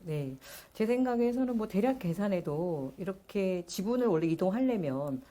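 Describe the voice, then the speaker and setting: A woman hosting an interview who explains briskly and sums points up in short repeated phrases. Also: mid-range voice, expressive, dark tone. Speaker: host. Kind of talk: casual talk-show interview.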